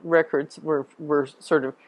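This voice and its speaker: A woman from Canada walks a small society through how to research family history. She talks slowly and patiently and stops to spell names letter by letter. Her voice sounds dry and close. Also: sits low, steady tone, husky, dry recording. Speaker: genealogy presenter. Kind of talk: informal presentation to a local society.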